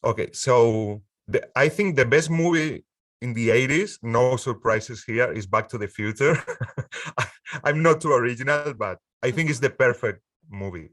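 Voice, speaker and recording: A Spanish man in his forties, a music producer speaking English as a second language in a casual interview, halting with frequent restarts and easy laughter. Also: mid-range voice, fairly bright tone, no room sound, studio quality, far from the mic. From Spain.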